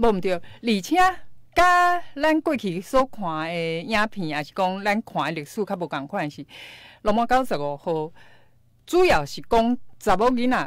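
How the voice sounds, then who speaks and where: A woman at medium pitch with very wide pitch swings and big swings in loudness, fairly slow, in a dry sound with no echo against a quiet background. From Taiwan. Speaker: film director; guest. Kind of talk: radio interview. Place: studio. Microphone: studio mic.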